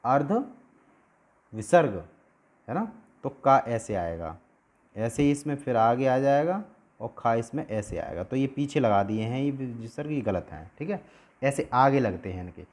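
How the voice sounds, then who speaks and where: A man teaching a lesson at a board, speaking in a steady mid-range voice. He poses questions to his listeners and then answers them himself. He stretches out single sounds slowly to demonstrate how each one is pronounced. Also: medium pitch.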